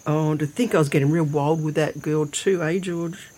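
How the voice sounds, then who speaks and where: A woman's voice: sits low, steady tone, normal speed, mellow. An actress playing an elderly Aboriginal Australian grandmother in an audio drama, homely and colloquial, anxious but wise. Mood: homely, resigned. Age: older. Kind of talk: naturalistic audio drama dialogue and storytelling.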